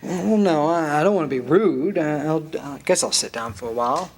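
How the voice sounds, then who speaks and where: An actor playing an awkward, stubborn young small-town man in love, stammering and halting in a staged radio drama reading. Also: a little high, natural voice. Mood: flustered, evasive. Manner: stammering, halting, repeating words. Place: stage, live broadcast reading. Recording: noisy live stage microphone recording.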